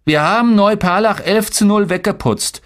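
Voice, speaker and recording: A man's voice: high-pitched, moderate pace, fairly bright tone, voice pushed up. A man voicing a boastful, mocking little boy under seven in an audiobook story. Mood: bragging. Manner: bragging, mocking.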